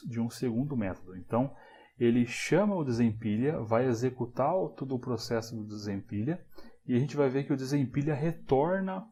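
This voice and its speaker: A man's voice: medium pitch, darkish tone. A man, explaining programming step by step in a casual screencast lesson, often checking in with the listener. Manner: casual, explanatory, frequent tag questions. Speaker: programming instructor.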